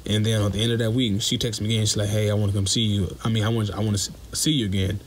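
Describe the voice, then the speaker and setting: A man's voice: on the low side, little pitch movement, racing, a little hiss or hum. A young man telling a story in a voice message. He talks casually and bluntly, swears freely, and acts out the lines of the people in it. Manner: blunt and profane, acts out quoted dialogue. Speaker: listener sending a voice message.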